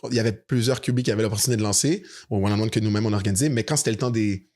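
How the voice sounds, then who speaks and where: A man's voice: lowish voice, rapid-fire. A Canadian man with a Quebec French accent, telling a story in a casual podcast chat and acting out quoted lines. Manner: animated, acts out quoted lines. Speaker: podcast co-host.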